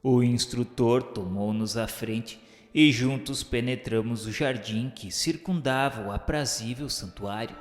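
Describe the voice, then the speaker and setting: A man with a medium-pitched voice narrates a spiritist radio novela, reading formal, reverent literary text in a solemn scripted style. He keeps a measured pace with few pauses, and the recording has an echoey, reverberant hall sound with music underneath.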